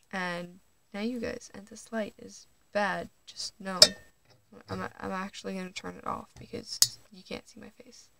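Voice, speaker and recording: At night, a teenage trans guy vlogs from under his bed at home, speaking quietly and hesitantly into his phone camera with nervous laughs. His voice sits high, creaky yet smooth, with no room sound in this casual, hushed late-night personal video.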